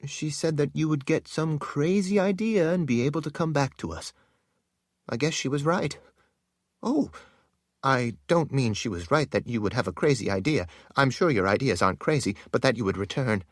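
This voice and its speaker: A man's voice: mid-range voice, expressive, normal speed, no echo, studio quality, pitched above the performer's own voice, lightly acted. A man voicing a shy young palace woman who stammers nervously. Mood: flustered.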